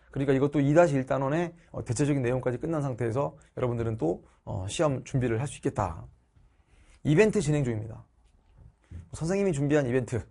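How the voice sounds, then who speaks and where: A man's voice: medium pitch, vocal fry, a little mellow. A middle-aged man teaching social studies online, chatting casually to his students while he gets over a cold. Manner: chatty, speaks to viewers as students. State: recovering from a cold.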